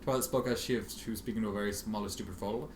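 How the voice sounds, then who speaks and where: A man reading fan fiction aloud in an expressive, sardonic manner, with casual asides. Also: on the low side, fast talker. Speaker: amateur fan fiction reader. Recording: roomy, faintly noisy home recording.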